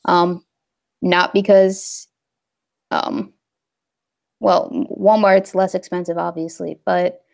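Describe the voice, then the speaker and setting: A woman's voice: lowish voice, flat delivery, takes it slowly, creaky, long pauses, darkish tone. A young woman hosting a casual livestream, talking in a rambling, hesitant way with many fillers. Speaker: livestream host.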